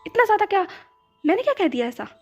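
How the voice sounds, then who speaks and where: A woman voicing a gentle, practical young woman who protests earnestly, in a storybook reading. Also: very high voice, sing-song, quick pace, pitched above the performer's own voice, exaggerated voice. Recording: dull lo-fi with background music.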